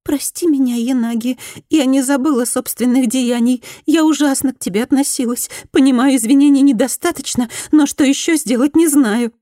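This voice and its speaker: A woman's voice: sits high, moderate pace, few pauses, mellow, no room sound, studio quality, voice pushed up, close to an everyday voice. A woman voicing a remorseful former schoolgirl bully, now a housewife, who pleads in a thin, small, faltering voice and stammers slightly. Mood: pleading.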